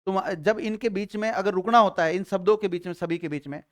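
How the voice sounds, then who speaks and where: A man teaching a grammar class to students, asking questions and answering them himself, and dictating notes slowly with repeated phrases. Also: sits high. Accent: Rajasthani Hindi.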